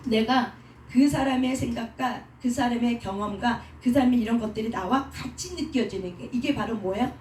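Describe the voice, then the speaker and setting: Woman pastor, mellow voice, preaching style, rhetorical questions, recorded far off in an echoey room. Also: fairly high pitch. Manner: asks rhetorical questions and answers them, acts out quoted speech. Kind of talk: sermon teaching. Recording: roomy sound from a distance with faint noise.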